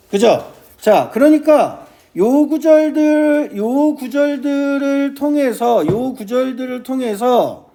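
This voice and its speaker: A male teacher giving a classroom lecture on classical poetry, often checking with his students and reciting verse slowly. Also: very high-pitched, warm tone. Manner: keeps starting with "ja", asks students quick checking questions.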